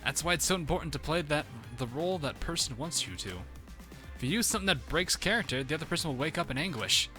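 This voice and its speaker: A man's voice: fairly high pitch, expressive, fast talker, pushed and bright, faint music behind. A man doing a sly, sing-song bear mascot. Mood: gleeful teasing. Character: mischievous male bear mascot, gleeful, teasing. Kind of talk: reading game dialogue in voice.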